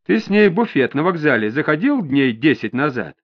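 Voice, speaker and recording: Man playing a firm, steady police inspector. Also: on the high side, brisk. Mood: steady, probing. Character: calm, firm male police inspector questioning a suspect. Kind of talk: audiobook character voice. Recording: dull lo-fi audio.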